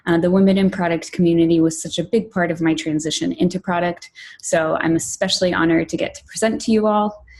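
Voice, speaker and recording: A woman from Poland, raised in New York, giving a prepared conference talk as a product director, measured and clear, with lists and emphasis. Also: fairly low pitch, fairly even intonation, darkish tone. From Poland, raised in New York City.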